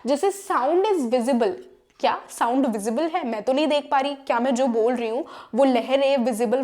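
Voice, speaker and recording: Young female tutor, high voice, quizzes her class with questions as she explains. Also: darkish tone. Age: young adult. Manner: explains with rhetorical questions, mixes in English terms. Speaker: teacher. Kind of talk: exam-prep lecture.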